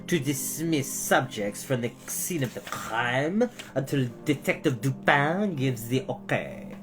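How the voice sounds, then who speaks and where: A man voicing a sinister, vain male villain in disguise, with a wheezing, scratchy voice and a slow, smug drawl. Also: medium pitch, very animated, music in the background.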